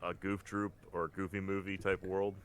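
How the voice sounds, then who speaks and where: Low-voiced man chatting casually. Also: little pitch movement, normal speed, clear, resonant tone. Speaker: podcast co-host. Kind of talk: casual fan chat about games and cartoons.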